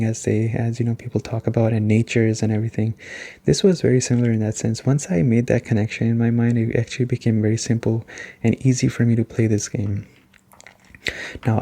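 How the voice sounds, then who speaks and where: A soft-spoken man giving a relaxed, explanatory gaming chat in an ASMR style, rambling a little as he goes. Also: mid-range voice, vocal fry. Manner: rambling, explanatory, often checking in with "right?". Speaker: gaming reviewer and host.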